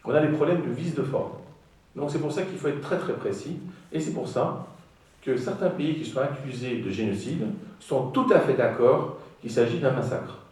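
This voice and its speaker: A man's voice: mid-range voice, normal speed, a little mellow. A man giving a public lecture in an auditorium, speaking emphatically and putting rhetorical questions to the audience. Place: large auditorium. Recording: echoey auditorium from far off.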